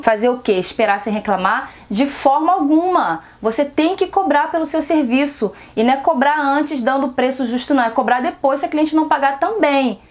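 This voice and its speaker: A seamstress with a Brazilian Portuguese accent talks frankly to her viewers in a casual advice vlog, often asking rhetorical questions. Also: high-pitched. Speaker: seamstress vlogger.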